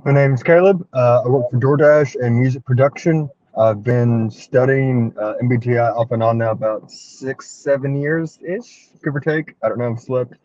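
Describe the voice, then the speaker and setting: A man guest on a group video call, offhand and halting. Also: mid-range voice, darkish tone, no echo. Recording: dull dry call audio.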